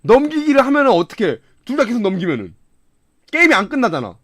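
A man with a very high, lively voice, recorded close and dry with no room sound. He streams a game, talking casually and excitably, swinging from quiet mumbling to loud shouts and laughter. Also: fast talker, dry recording. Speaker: gaming streamer.

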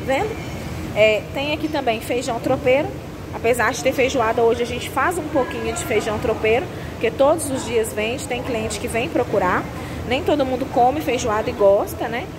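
A Brazilian woman with a fairly high voice talks viewers through a restaurant buffet. She is chatty and instructive and keeps checking in with her audience. The sound comes from a handheld phone, with restaurant ambience clearly audible behind her. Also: background noise. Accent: Brazilian Portuguese. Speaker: restaurant owner's family and cooking channel host. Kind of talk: walkthrough vlog of a buffet. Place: indoor self-service restaurant buffet. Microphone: handheld phone while walking.

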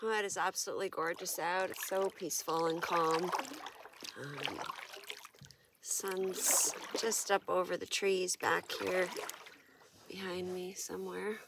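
A woman's voice: fairly low pitch, fairly even intonation, unhurried, gravelly, heavy background noise. A middle-aged woman with a stuffed-up nose talks casually about her solo camping trip, with lots of ums and uhs, filming herself at arm's length outdoors. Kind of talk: casual vlog narration. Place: outdoors at a lakeside campsite and in a tent. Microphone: camera at arm's length.

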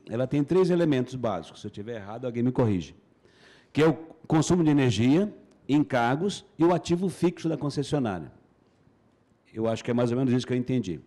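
A man with a mellow, darker voice at a middle pitch introduces himself and asks a careful, hedging question. He often admits he might have misunderstood. He is speaking in an indoor meeting hall. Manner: tentative, hedging. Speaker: consumer council president. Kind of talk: formal question at a public meeting.

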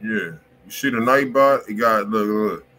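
A man with an American accent hosting a livestream, chatting in casual slang and pitching insistently, often repeating himself. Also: measured pace, sharp tone. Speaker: music review stream host. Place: indoor room on a livestream.

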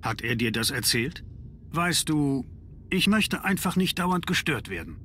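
A man's voice: on the high side, sing-song, measured pace, fairly bright tone, slight background noise. An actor voicing an irritable, aloof nobleman in a game dub, curt and dismissive.

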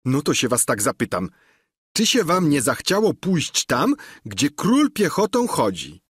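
A man's voice: a little high, wildly swooping pitch, measured pace, breathy edge, dry recording, studio quality, exaggerated voice. A man voicing an older, simple, talkative peasant squire who pleads and insists. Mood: exasperated.

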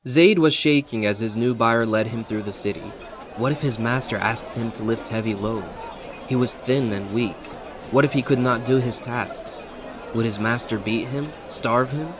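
A man narrating a historical audio drama in a measured, scripted way. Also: mid-range voice, background noise.

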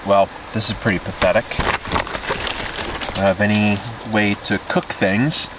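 A man's voice: fairly even intonation, slow pace, noisy background. A man in his thirties, talking glumly and mocking himself in a casual solo vlog, recorded close up inside a parked car at night. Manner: glum, self-mocking, low-key. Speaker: vlogger. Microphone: camera close by in the car.

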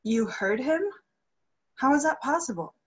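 Actress as earnest, grieving young woman, high and husky. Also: animated, measured pace, muffled recording, heavily acted. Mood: defensive. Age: young adult. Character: earnest, grieving young soprano, devoted to her dead father. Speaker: actress in a virtual staged reading. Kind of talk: dramatic stage play reading. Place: indoor room, video call. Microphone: video call microphone.

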